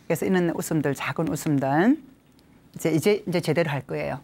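A woman's voice: sits low, brisk. A middle-aged woman with a Gyeongsang accent giving a laughter therapy lecture, leading counting exercises. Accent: Gyeongsang Korean. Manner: animated, leads counting drills with bursts of laughter. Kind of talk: lively lecture with group exercises.

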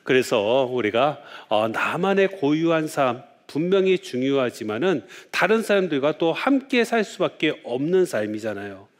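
Priest guy giving a talk, bouncy animated pitch, keeps saying yes and asking the crowd stuff. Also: normal speed, few pauses. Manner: lively storytelling, frequent "yes" fillers, rhetorical questions. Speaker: Catholic priest giving a lecture. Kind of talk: lecture.

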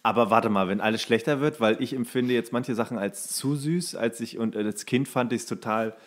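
A man's voice: medium pitch, moderate pace. Rambling man chatting on a podcast. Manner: rambling, self-correcting, acts out quoted remarks. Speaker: podcast co-host. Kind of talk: casual comedic chat with anecdotes.

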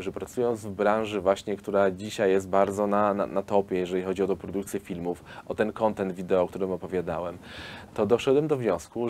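A man in his thirties with a fairly low voice lays out his company's plans in a seated studio interview. He talks at length, explaining steadily but filling gaps with ums and restarts. A faint hiss sits under the recording. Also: darkish tone. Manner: explanatory, hesitant with frequent fillers. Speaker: film studio founder pitching investors. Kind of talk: business interview. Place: film studio hall.

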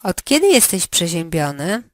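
A woman running a language lesson, giving slow, carefully articulated prompts for the learner to answer. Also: on the low side, very animated, no room sound, studio quality. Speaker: language teacher.

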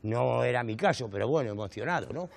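A man's voice: medium pitch, animated, fast talker, creaky. A middle-aged man with a Canary Islands Spanish accent performs a stand-up monologue, telling his stories with indignant exaggeration and frequent rhetorical asides to the audience. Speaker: comedian. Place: studio stage before a live audience.

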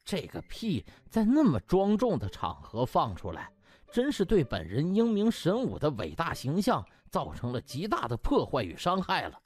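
A man's voice: on the high side, huge pitch swings, moderate pace, darkish tone, husky, full character voice. A man voicing a shameless, smug young male doctor with a playful, mock-pompous manner in an audiobook.

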